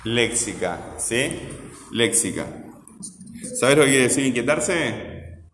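Slow, patient male teacher, echoey room. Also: mid-range voice, lively intonation, a bit bright, a little hiss or hum. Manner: patient, repeats words slowly syllable by syllable; asks frequent guiding questions with "¿verdad?". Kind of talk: one-on-one grammar lesson.

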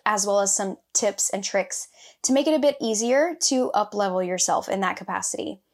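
A woman on the show's team reading event announcements in an upbeat, inviting way. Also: medium pitch. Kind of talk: scripted promo read.

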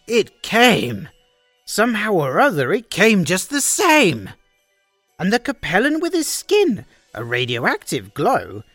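A woman host narrating a rhyming holiday fan story in an expressive, sing-song, dramatic reading. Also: fairly low pitch, no room sound.

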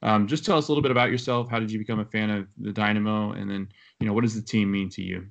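Male podcast co-host, lowish voice, loose and unhurried with plenty of ums; casual sports talk. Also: vocal fry, muffled recording. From Florida. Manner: relaxed, hesitant with many fillers.

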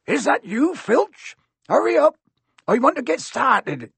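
A man voicing a big gruff groundskeeper, fierce but kindly, who growls in rustic dialect in an audiobook story. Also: a little high, animated, unhurried, no echo, full character voice. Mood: impatient.

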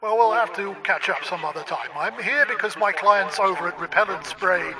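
A man's voice: sits high, moderate pace, bright, forceful tone. A man playing a slick, smug mercenary wizard turned talent agent in a comic audio pantomime.

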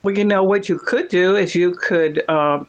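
A man's voice: sits high, moderate pace, dull audio. A man chatting casually, rambling through stories with many fillers. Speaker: conversation partner. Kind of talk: casual chat.

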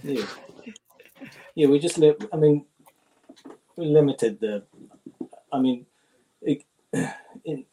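A makeup artist on a panel, a man answering questions in a halting way, searching for words. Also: fairly high pitch, warm tone, breathy edge, poor audio.

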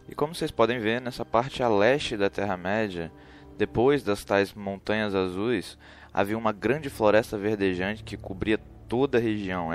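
A man narrating a humorous explainer in a casual, joking, slangy way. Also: deep voice. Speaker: host. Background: background music.

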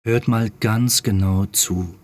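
A booming, bossy talking script. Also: male voice, fairly even intonation, slow pace, no echo, clean studio sound. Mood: condescending. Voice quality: low, booming. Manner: condescending, exasperated, commanding. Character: talking script, smug bossy all-knowing male narrator voice. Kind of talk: scripted audio drama dialogue.

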